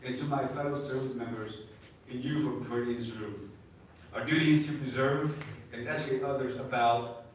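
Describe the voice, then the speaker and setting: A man speaking at a veterans event, giving a solemn, somewhat halting ceremonial speech. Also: medium pitch, a little hiss or hum. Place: large event hall. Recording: echoey hall, distant mic.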